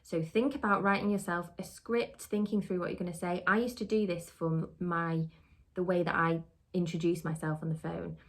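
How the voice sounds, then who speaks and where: A woman's voice: fairly low pitch, fairly even intonation, normal speed. A British woman giving conversational, instructional advice as a trainer and podcast host, explaining and rephrasing her points as she goes.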